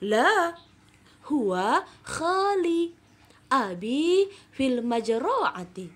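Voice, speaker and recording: A woman teacher reading the part of a polite, helpful schoolgirl in a textbook dialogue, slowly and carefully. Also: sits high, very animated, exaggerated voice. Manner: slow, careful, bright read-aloud.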